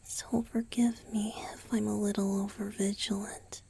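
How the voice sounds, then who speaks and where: A woman playing a gentle, doting young male vampire boyfriend in a romantic ASMR roleplay, speaking softly and tenderly, mostly in a breathy whisper. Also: mid-range voice, little pitch movement, moderate pace, slight background noise, natural voice, low-quality recording. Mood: caring, attentive. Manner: tender, attentive, softly reassuring.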